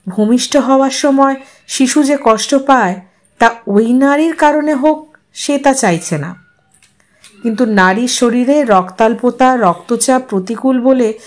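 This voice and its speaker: A woman with a fairly high voice narrates a literary audio story. She reads in a calm, measured way and moves steadily from line to line.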